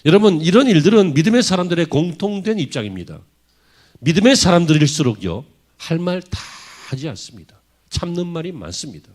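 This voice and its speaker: A man's voice: fairly high pitch, very animated, fairly quick, a little mellow. A man preaching a sermon as a pastor in a church, driving his points home with rhetorical questions to the congregation. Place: church sanctuary.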